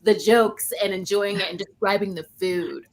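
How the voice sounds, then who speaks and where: A woman's voice: medium pitch, normal speed. A woman chatting casually and effusively about books, rambling and peppering her talk with "like". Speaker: book discussion panelist. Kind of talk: casual chat, gushing about a novel.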